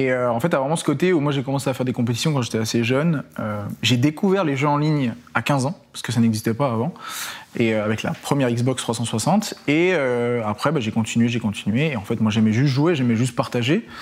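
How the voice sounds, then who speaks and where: Here a man of medium pitch talks at a fairly quick pace with ordinary pitch variation. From Switzerland, Geneva. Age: 20s. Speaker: YouTuber and gamer. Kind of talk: casual interview. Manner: hesitant, many fillers.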